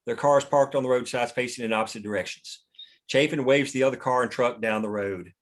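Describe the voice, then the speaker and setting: A man's voice: medium pitch, a little fast. Male narrator for a screenplay table read, mid-range voice, reading action lines. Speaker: narrator reading stage directions.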